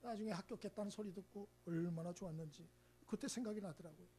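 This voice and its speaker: Husky man preaching a Sunday sermon. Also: high-pitched, quick pace, dark tone. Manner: conversational, emphatic, frequent rhetorical "eh?" to the congregation. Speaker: senior pastor. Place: church sanctuary.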